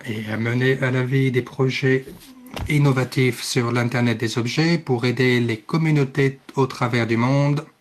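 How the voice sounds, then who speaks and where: Halting male simultaneous interpreter. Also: medium pitch, fairly even intonation. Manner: halting, searching for words and correcting himself. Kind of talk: live interpreting of a formal online meeting.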